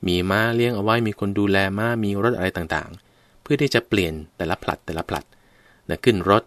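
A man's voice: lowish voice, brisk, fairly bright tone, dry recording. A man giving a radio Dharma talk, explaining patiently and step by step, repeating phrases and speaking directly to his listeners. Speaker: Buddhist radio teacher.

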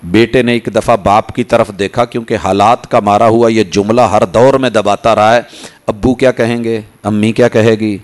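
A man with a Punjabi accent preaching a Quran lesson sermon in a mosque, climbing to emphatic peaks and then dropping into low, quick asides. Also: steady tone.

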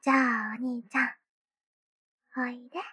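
A woman's voice: fairly high pitch, little pitch movement, normal speed, pushed and bright, breathy edge, dry recording, heavily acted. A woman voicing a playful, doting schoolgirl little sister who teases her older brother in close, whispered ASMR roleplay. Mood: teasing. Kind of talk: ASMR roleplay with ear cleaning.

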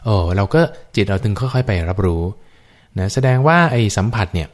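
Brief: male monk guest on a radio Dhamma show, fairly low voice, patient and explanatory, peppered with soft fillers. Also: brisk. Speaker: Buddhist monk. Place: radio studio.

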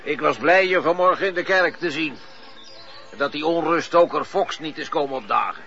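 An actor playing a genial, self-satisfied colonel in a period radio drama, with polite gentlemanly talk. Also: male voice, fairly high pitch, moderate pace, faint music behind. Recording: hissy, dull old radio recording.

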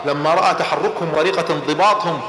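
A man's voice: fairly high pitch, fast talker, fairly bright tone. A man giving a storytelling religious lecture, dramatically acting out the dialogue. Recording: echoey hall reverb.

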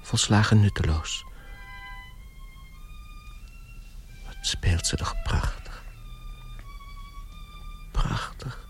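An actor playing a gentle, sorrowful young man turned into an insect in a radio drama, speaking in a wistful, hushed and fervent way. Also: on the low side, huge pitch swings, takes it slowly, heavily acted. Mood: wistful, moved. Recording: violin music behind the voice.

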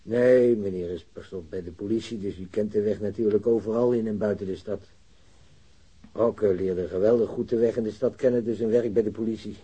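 A man's voice: lowish voice, fairly even intonation, fairly quick, warm tone, husky, rough recording. A man playing an older, homely and chatty father in a radio drama. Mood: chatty, eager. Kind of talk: Dutch radio drama dialogue.

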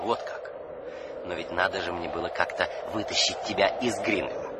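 A man's voice: sits low, steady tone, normal speed, very noisy, close to an everyday voice. An actor playing a cocky, taunting young man in a radio drama, with a theatrical, mocking delivery. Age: young adult. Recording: loud music under the voice.

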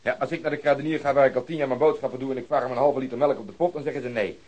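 An actor playing a blunt, sceptical police detective in a Dutch radio drama, with a dry, grumbling, sardonic manner. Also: male voice, mid-range voice, fairly even intonation, rapid-fire, darkish tone, muffled recording, close to an everyday voice.

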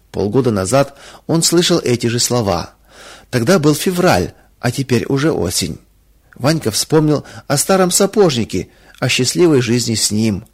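A man narrating a Christian children's story in a calm, measured way. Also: mid-range voice.

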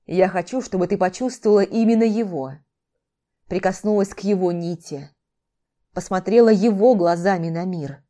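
A woman's voice: mid-range voice, moderate pace, mellow, natural voice. A woman voicing a male demon mentor who whines, pleads and plays to an imagined crowd in an audiobook. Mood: coaxing. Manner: whining, pleading, theatrical. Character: whiny theatrical male demon mentor, ageless.

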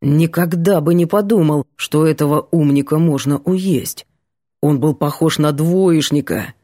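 A woman voicing an easygoing young man who soothes and teases his friend, in a lowered, husky voice. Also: a little slow, dark tone, no echo, clean studio sound. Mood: teasing. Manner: soothing, playful.

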